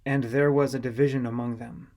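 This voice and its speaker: A man's voice: mid-range voice, level tone, a little fast, a little mellow. A man reading a scripted scripture narration as an audiobook narrator.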